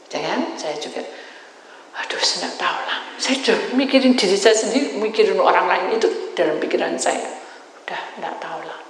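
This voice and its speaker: Woman pastor, dramatic testimony sermon, whispers to shouts, booming reverb, faint hiss. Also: normal speed. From Indonesia. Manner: dramatic storytelling, swings between loud cries and whispers. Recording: echoey hall with long reverb, faint noise.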